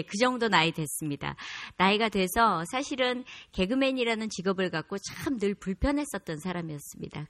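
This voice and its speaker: Woman, fifties, church testimony, candid, self-deprecating, calm and steady. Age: 50s. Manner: calm low delivery. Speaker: comedian giving a church testimony. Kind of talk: personal testimony to a congregation.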